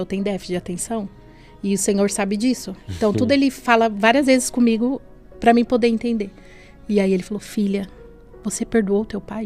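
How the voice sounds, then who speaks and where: A woman's voice: medium pitch, a little mellow. Woman, earnest heartfelt testimony, podcast studio, faint background music. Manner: earnest, heartfelt, fills with "assim" and "né". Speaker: guest giving a faith testimony. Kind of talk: emotional personal testimony in a podcast interview.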